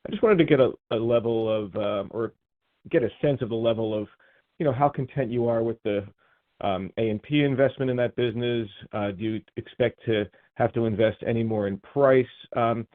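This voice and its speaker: A man asking conversational, somewhat hesitant business questions as an analyst on an earnings call. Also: on the low side. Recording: phone-like conference call line.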